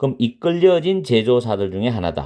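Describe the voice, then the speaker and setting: A man with a Gyeongsang accent, dark, mellow tone and medium pitch, very wide pitch swings at a moderate pace, quiet background. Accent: Gyeongsang dialect, noticeable. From Korea, Gyeongsang region. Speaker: English test tutor. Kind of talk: tutorial.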